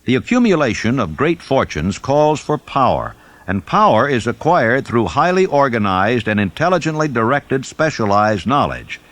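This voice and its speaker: A man reading a self-help audiobook in a measured, instructive and emphatic manner. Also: medium pitch, sing-song, a bit bright. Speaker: audiobook narrator.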